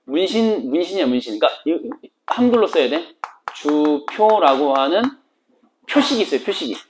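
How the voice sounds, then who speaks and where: A literature teacher giving a casual, slangy exam-prep lecture and explaining terms in an animated way. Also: medium pitch, moderate pace, slight background noise.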